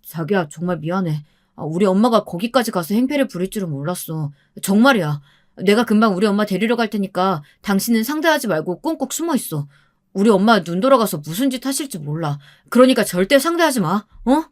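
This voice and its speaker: A woman's voice: mid-range voice, expressive, brisk, no echo, lightly acted. A woman reads a flustered young boyfriend in a radio story, urgent and pleading. She keeps close to her own plain voice. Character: anxious apologetic young man, the boyfriend.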